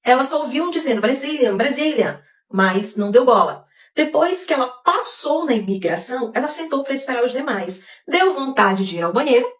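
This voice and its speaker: A woman narrating a scripted explainer in a measured, explanatory way. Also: sits high, lively intonation. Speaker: video narrator. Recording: echoey, distant mic.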